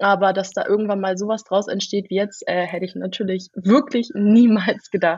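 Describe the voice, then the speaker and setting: Using a normal speaking voice, a woman talks at a moderate pace with a medium pitch and ordinary pitch variation. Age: 30s. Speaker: pet influencer. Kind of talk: podcast interview. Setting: studio.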